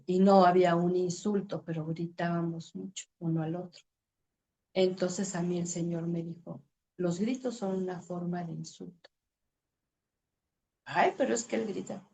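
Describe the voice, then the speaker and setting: A middle-aged woman teaching a women's ministry Bible lesson, expressive, acting out dialogue and reading scripture slowly. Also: fairly low pitch. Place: church.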